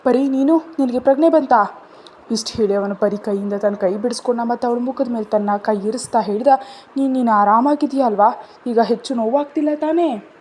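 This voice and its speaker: A woman's voice: fairly high pitch, a little fast, darkish tone, slight background noise, natural voice. Woman reading as a worried, scolding young man. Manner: scolding, raised voice. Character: anxious protective young man, gruff. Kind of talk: storybook narration.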